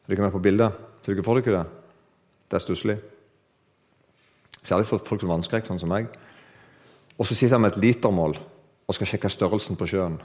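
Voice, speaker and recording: A man's voice: lowish voice, long pauses, a little mellow. A man preaching a sermon to a congregation, chatting with them and asking them questions, joking about himself, then building to emphatic, lifted declarations. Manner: conversational, asks the audience questions, builds to emphatic lifts; self-deprecating humor with laughs.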